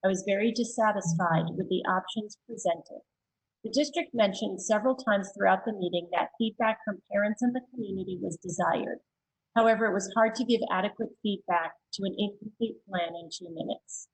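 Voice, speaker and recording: A woman reading written public comments aloud at a school board meeting, steady and plain, with a few hesitant asides. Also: mid-range voice, a little fast, husky, low-quality recording.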